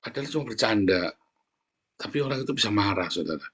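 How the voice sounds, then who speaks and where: A man's voice: quick pace, husky. A man from Indonesia with a Javanese Tegal accent, preaching a sermon in a chatty storytelling way. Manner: animated storytelling, jumps up into high mimicking voices.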